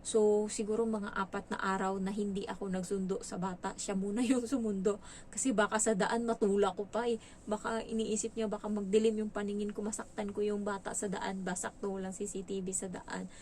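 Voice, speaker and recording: There's slight background noise as a Filipina domestic helper tells her story at a fairly quick pace in a medium-pitched voice. She keeps it casual and animated, dramatizing quoted lines and mixing in English.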